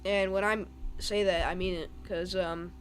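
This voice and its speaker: A man's voice: high voice, level tone, unhurried, a bit bright, slight background noise. A young man giving live weather commentary on a stream, thinking aloud over the radar with plenty of ums and restarts.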